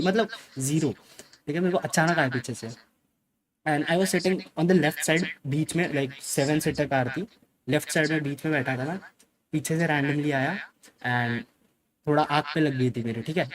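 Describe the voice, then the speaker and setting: A man's voice: a little high, steady tone, moderate pace. Young man talking emphatically to viewers. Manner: mixes Hindi with English phrases; emphatic, keeps repeating "okay" as a filler. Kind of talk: casual spoken account to viewers.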